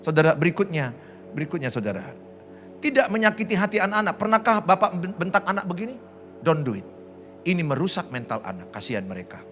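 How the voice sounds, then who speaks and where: A man's voice: a little high, big pitch swings, quick pace, fairly bright tone, soft background music. A middle-aged man, preaching a sermon and having the congregation repeat lines after him. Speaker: pastor. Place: large church hall.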